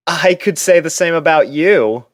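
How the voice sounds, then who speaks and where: A man's voice: fairly high pitch, lively intonation, a little slow, no echo, voice pushed up. A man playing a bashful, earnest young student in love, speaking hesitantly and sincerely in fan fiction dialogue.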